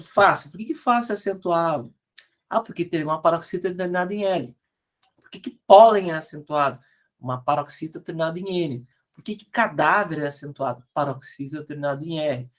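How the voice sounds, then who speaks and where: A man with a Brazilian Portuguese accent teaching an online grammar lesson, explaining rules patiently and checking in with frequent tag questions. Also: a little high. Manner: spells out letters slowly, corrects slide errors aloud.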